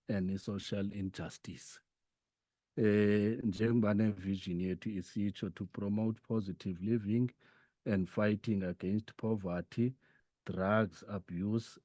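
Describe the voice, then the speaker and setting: A South African man with a Xhosa accent and a deep voice speaks as an interviewed chief. His tone is dark and soft-edged, in a close, dry recording, and he explains by moving between two languages. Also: no echo. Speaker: interviewed foundation founder and chief.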